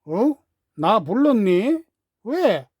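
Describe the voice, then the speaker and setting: A man reading a storybook, voicing a gruff middle-aged cattle trainer who bullies and shouts. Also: high voice, very animated, extremely slow, no room sound, clean studio sound, heavily acted. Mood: puzzled. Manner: bullying, shouting.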